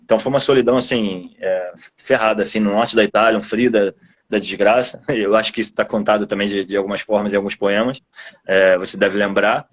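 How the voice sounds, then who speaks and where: A man with a Brazilian Portuguese accent speaking casually as an interviewed author, telling personal experiences in a reflective, halting, rambling way. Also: lowish voice, fairly even intonation.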